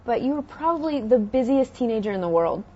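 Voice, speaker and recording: A woman interviewing a guest, asking brisk questions and prompting with short acknowledgements. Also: a little high, expressive, dark tone. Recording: dull lo-fi sound.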